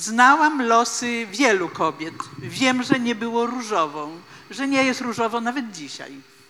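A woman's fairly high voice with very wide pitch swings, big swings in loudness, a fairly slow pace and noticeable background noise. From Podlasie, Poland. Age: 70s. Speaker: audience member. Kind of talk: audience comment.

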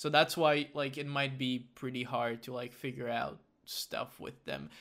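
On a very clean recording with a silent background, a man with a Slovak accent talks at a moderate pace and medium pitch, his tone bright and sharp and his intonation fairly even. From Slovakia. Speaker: podcast host, history YouTuber. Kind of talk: casual interview chat.

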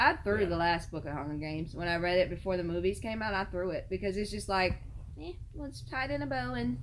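A woman talks very fast in an American accent, her pitch fairly low and swinging very widely. Vocal fry runs through her speech. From US Midwest. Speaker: podcast co-host. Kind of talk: casual chat.

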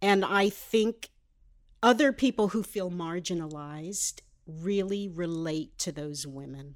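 A woman with an American accent speaks fairly slowly at a fairly low pitch with lively intonation. Her loudness swings widely, and the recording is very clean with a silent background. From Central California. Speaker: television writer and producer. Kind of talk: casual chat.

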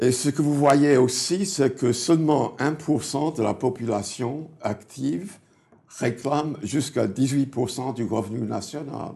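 A man with a New Jersey accent, very slow pace, medium pitch, ordinary pitch variation, a somewhat breathy, dark, mellow tone and audible room echo. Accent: New Jersey American accent in French. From US, New Jersey. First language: English (speaking French). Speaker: translator and academic. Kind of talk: lecture with slides. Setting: live online event. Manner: hesitant, with many fillers.

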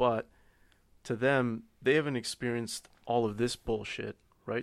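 A man speaks at a medium pitch with a fairly even intonation in an ordinary speaking voice, on a very clean recording with a silent background. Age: 30s. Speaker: stand-up comedian and show co-producer. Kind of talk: casual chat. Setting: studio.

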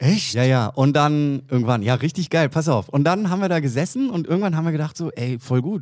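With a plain, everyday voice, a man talks at a fairly quick pace with hardly any pauses, fairly high in pitch and lively in intonation, in a very clean recording with a silent background. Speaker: former radio host and hip-hop veteran. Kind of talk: casual chat.

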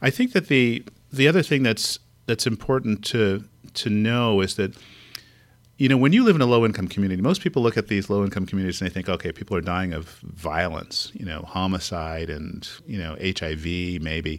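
Over a very clean recording with a silent background, a man with fairly low pitch speaks at a fairly quick pace with lively intonation in a plain, everyday voice. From Montreal, Canada. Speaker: physician and public health executive. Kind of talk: interview. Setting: health conference.

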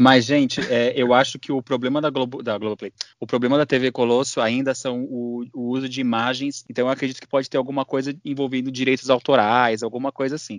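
The speech moves at a fairly quick pace with monotone, flat intonation and hardly any pauses, in a dry, close sound with no echo and a quiet background. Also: man, medium pitch for a man. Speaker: podcast co-host. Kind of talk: casual chat.

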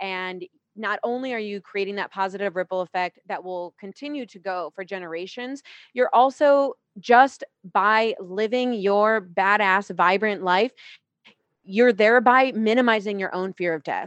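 A woman with an American accent speaks at a moderate pace and medium pitch, with ordinary pitch variation and big swings in loudness, in a dry, close recording with no echo and a quiet background. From US Midwest. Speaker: author. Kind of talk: interview conversation.

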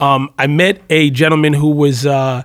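In an ordinary speaking voice, a man talks at a fairly slow pace with a fairly high pitch and fairly even intonation. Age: 30s. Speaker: former steroid user. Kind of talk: interview.

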